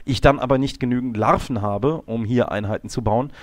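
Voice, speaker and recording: A man with a slight cold and a slightly hoarse voice, explaining a game replay calmly, often pausing on fillers and correcting himself. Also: medium pitch, dry recording. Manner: calm, explanatory, with frequent fillers and self-corrections. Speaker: game coach. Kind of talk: instructional commentary over a game replay.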